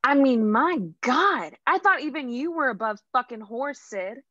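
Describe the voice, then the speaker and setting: A woman's voice: high voice, expressive, measured pace, fairly bright tone, lo-fi sound, exaggerated voice. A woman reading the part of a heartbroken young woman, hurt and accusing, during a screenplay table read.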